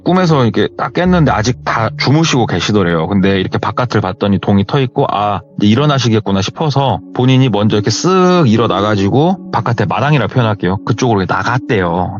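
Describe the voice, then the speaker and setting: A man's voice: on the low side, lively intonation, fast, hardly any pauses, dull audio. A man telling a horror story in a chatty radio style, talking straight to the listener.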